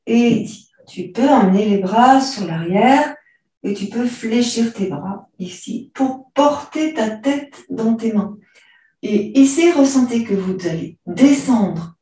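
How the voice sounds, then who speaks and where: A woman yoga teacher guiding a class through postures, calmly cueing breath and movement step by step. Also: on the high side, distant mic. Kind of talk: guided yoga class instruction. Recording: echoey room, voice from afar.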